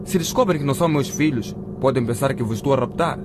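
A man playing a calm, cautious adult in a radio drama, patiently explaining things to children. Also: medium pitch, fast talker, close to an everyday voice. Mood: serious, reassuring. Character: calm, cautious man driving two boys home. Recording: car noise behind the voice.

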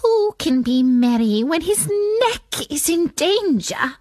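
A woman voicing an aging, mournful cat in a children's story, plaintive and drawn-out. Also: high voice, very animated, a little mellow, no room sound, studio quality, pitched above the performer's own voice, full character voice. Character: aging male cat, mournful, fearful for his neck.

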